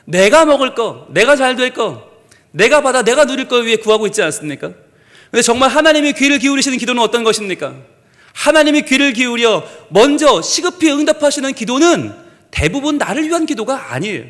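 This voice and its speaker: Lively high-voiced pastor in a reverberant church. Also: male voice, a little fast. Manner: animated storytelling, voices characters in quotes. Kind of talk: sermon with acted-out story. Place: church sanctuary. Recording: long hall reverb in a church.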